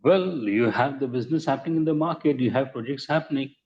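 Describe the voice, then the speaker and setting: An Indian man answering investor questions as a company executive on an earnings call, in measured, hesitant phrasing with repeated words. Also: medium pitch, slightly rough. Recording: muffled conference call audio.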